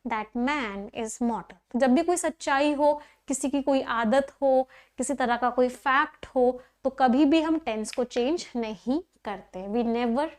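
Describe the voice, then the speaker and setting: A woman with a high, bright-toned voice teaches a grammar class. She explains each rule step by step, repeats the key points and often asks the students whether anything is unclear. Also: a little slow, few pauses.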